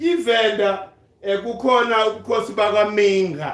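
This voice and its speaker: Speaking at a moderate pace, a man uses a raised, projected voice and an animated tone, with audible room echo around him. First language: Zulu. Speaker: Pan-African activist speaker. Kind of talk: political talk mixing English and Zulu.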